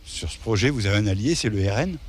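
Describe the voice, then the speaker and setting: A man's voice: on the low side, lively intonation, quick pace, husky. A man asking interview questions, with a hesitant way of questioning.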